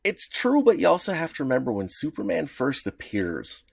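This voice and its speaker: A man's voice: medium pitch, huge pitch swings, moderate pace, vocal fry, darkish tone, breathy edge, no room sound. A man co-hosting a podcast who chats casually, laughs often and chimes in with short agreements. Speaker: podcast co-host. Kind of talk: casual chat about comic history.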